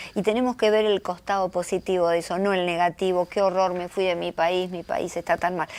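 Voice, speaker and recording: A woman speaks at a moderate pace and medium pitch in a very clean recording with a silent background. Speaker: cultural commentator with a doctorate. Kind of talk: TV interview discussion. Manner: frequent fillers and hesitations.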